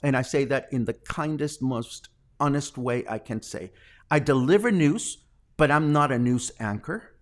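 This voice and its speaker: A man's voice: medium pitch, measured pace. A man from Mexico hosting a daily live news stream, talking earnestly and defensively, with fillers and restarts.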